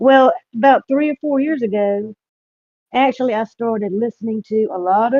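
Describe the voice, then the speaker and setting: Fairly slow speech from a woman, pitched fairly high, with ordinary pitch variation. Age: 60s. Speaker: caller on a call-in religion show. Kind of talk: casual call-in discussion. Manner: halting, many fillers.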